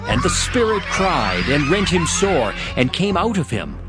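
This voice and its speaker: A man narrating scripture as a dramatized story, in a measured and expressive storytelling manner. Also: fairly high pitch. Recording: music behind the voice. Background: music.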